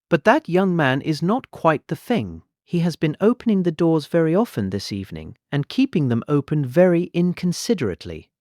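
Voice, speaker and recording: A fretful old gentleman, forever anxious about everyone's health. His pleading, worrying delivery swings wildly up and down, recorded close and dry, as in a full-cast audiobook of a period novel. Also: a little high, no echo. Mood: confiding disapproval. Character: fretful elderly English gentleman, anxious father fussing over health.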